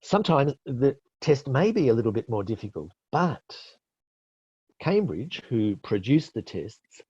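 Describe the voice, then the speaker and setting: A man's voice: mid-range voice, big pitch swings, a little slow, mellow, breathy edge, no echo. A middle-aged Australian man giving IELTS tips in a webinar, explaining patiently and correcting himself with many fillers. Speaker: IELTS expert presenter. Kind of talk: webinar teaching with answers to questions. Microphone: webinar call mic. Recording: dull lo-fi webinar audio.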